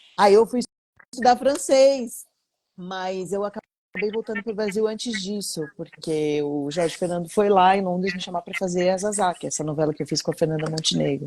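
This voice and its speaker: Speaking at a moderate pace with a medium pitch and ordinary pitch variation, a woman leaves long, frequent pauses while her loudness swings widely. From Brazil. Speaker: actress. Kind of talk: casual chat.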